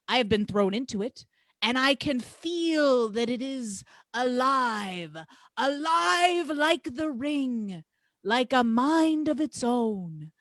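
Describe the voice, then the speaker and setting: A woman's voice: high voice, a bit bright, no room sound, heavily acted. A woman playing a brash, boastful male pro wrestler, reading crude, grandiose trash-talk promos with taunting, emphatic delivery.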